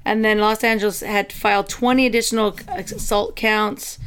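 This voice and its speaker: A woman with a raspy voice hosting a casual podcast chat, reading out news headlines between remarks. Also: mid-range voice, steady tone, moderate pace. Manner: reads headlines aloud, chatty with fillers. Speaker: podcast host.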